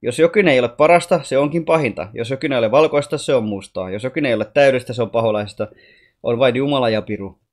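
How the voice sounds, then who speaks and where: This calm alien boy from the stars, patient and wise, is performed by a man in a natural voice of middling pitch. He speaks softly and explains things gently, like a teacher in a storybook.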